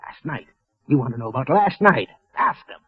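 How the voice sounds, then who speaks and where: A man's voice: medium pitch, sing-song, normal speed, breathy edge, dry recording. An actor playing a guilt-crazed male office killer who hears voices, in 1940s radio acting, with a frantic, stammering, paranoid manner, on a muffled old radio broadcast. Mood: sly.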